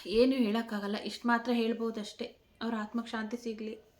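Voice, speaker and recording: A woman's voice: fairly high pitch, flat delivery, a little fast, a little mellow. A woman speaking in an emotional tribute vlog, tearful and pleading, repeating herself. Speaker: vlogger.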